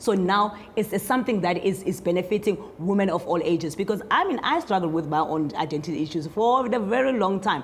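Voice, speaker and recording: A woman talks at a fairly quick pace with hardly any pauses and lively intonation, her pitch medium. Her loudness stays very even, with noticeable background noise behind her. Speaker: talk show host. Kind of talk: studio talk show discussion. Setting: studio. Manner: fast.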